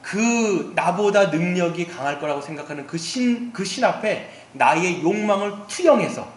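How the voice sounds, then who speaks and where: In a church sanctuary, a pastor with a high, expressive voice preaches a sermon at a moderate pace, telling a story and putting questions to the congregation. The hall is echoey, with faint background noise.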